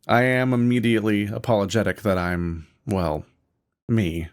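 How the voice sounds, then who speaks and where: A man's voice: fairly low pitch, fairly even intonation, normal speed, clear, resonant tone. A man narrating his own video in a scripted, first-person storytelling style. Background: guitar music.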